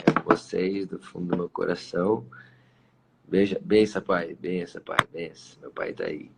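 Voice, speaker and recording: Emotional man with a gravelly voice. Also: low-pitched, heavy background noise. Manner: effusive and emotional, warmly repeating himself. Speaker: host of a Christian live stream. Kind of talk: casual live-stream farewell.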